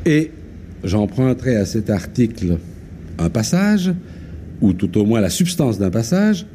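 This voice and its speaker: A middle-aged male doctor on an old, worn archive tape from a 1963 broadcast, giving a formal, measured statement with long pauses. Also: fairly low pitch, mellow, a little hiss or hum. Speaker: hospital intensive care physician. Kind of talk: formal 1960s radio statement.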